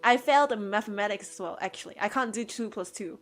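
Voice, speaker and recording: A woman's voice: mid-range voice, fairly quick. A woman whose first language is Cantonese, chatting casually and laughing often while she streams her drawing. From Hong Kong. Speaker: art streamer. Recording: faint music under the voice. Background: soft background music.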